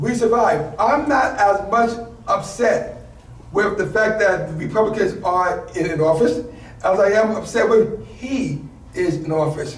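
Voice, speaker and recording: At a fairly slow pace with ordinary pitch variation, the speech carries audible room echo and noticeable background noise. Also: man, high pitch for a man. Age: 60s. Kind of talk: political discussion. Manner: repetitive, stammering.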